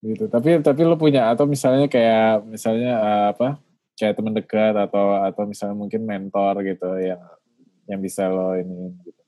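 A man's voice: on the low side, level tone, normal speed, mellow. A man hosting a casual podcast chat, asking loose, searching questions. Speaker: podcast host.

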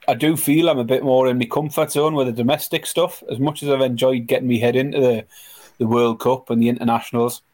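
A man's voice: mid-range voice, a little mellow. Man chatting about sport. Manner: informal, colloquial. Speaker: podcast co-host. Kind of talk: casual sports chat.

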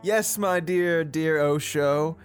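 A man's voice: on the high side, takes it slowly, music in the background. A man playing an evil male realtor with a hook for an arm, gloating through a hammy villain monologue.

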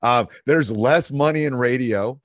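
A man's voice: mid-range voice, measured pace, dry recording, clean studio sound. A man co-hosting a youth basketball podcast, chatting casually in a jokey, self-mocking way with lots of restarts and asides. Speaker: podcast co-host, basketball coach. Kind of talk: casual chat.

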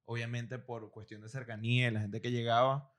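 A man's voice: medium pitch, flat delivery, a bit bright. Joking man chiming in. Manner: quick interjections and jokes, talks over others. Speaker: comedian guest. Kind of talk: casual chat.

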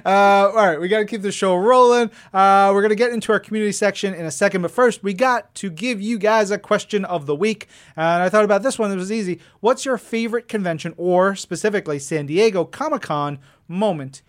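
A man's voice: high-pitched, fairly quick, few pauses. Casual male podcast co-host.

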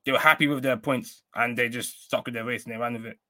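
A man on a podcast panel talks through his view in a calm, measured way. His voice stays flat and even, and the recording is dry and close. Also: mid-range voice, no echo. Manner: measured, analytical. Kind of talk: casual chat.

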